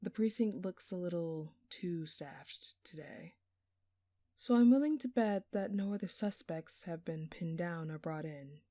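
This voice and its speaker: A woman's voice: fairly low pitch, unhurried, warm tone, no echo, close to an everyday voice. A woman playing a smug, flirtatious jewel thief who taunts a detective with teasing, sarcastic, theatrical phrasing in an audio roleplay. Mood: smug, speculating. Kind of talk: scripted audio roleplay addressed to the listener.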